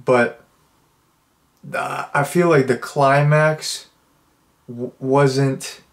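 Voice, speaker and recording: Young man, congested nose, loose rambling reviewer, medium pitch. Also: steady tone, drawn-out words. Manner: rambling, many restarts and fillers. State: stuffed-up nose. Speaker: movie reviewer. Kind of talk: casual spoken review, thinking out loud.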